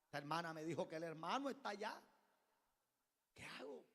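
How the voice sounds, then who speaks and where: A man preaching a sermon as pastor, telling a story and building up to shouted exhortation, recorded in a church. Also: fairly high pitch, very animated, brisk. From Colombia. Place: church hall. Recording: long church reverb.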